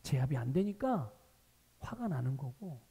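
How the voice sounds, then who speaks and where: A male pastor preaching a Sunday sermon, animated, asking the congregation rhetorical questions. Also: medium pitch, a little slow, creaky, breathy edge, in a large hall. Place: church sanctuary.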